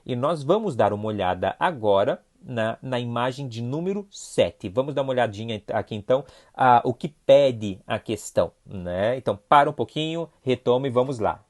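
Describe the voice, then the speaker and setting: A man's voice: mid-range voice, animated, moderate pace, hardly any pauses, a little mellow. A man with a Brazilian Portuguese accent teaching a recorded Spanish review lesson, explaining patiently and often checking in with short questions.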